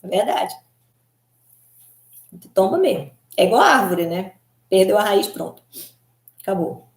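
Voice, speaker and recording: A woman hair color specialist from Belém speaks in a loose, giggly, conversational way and keeps tossing tag questions at her viewers. Her voice sits at an ordinary middle pitch. The room around her rings with a noticeable echo. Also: big pitch swings, unhurried. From Belém do Pará, Brazil. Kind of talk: casual live chat answering viewers.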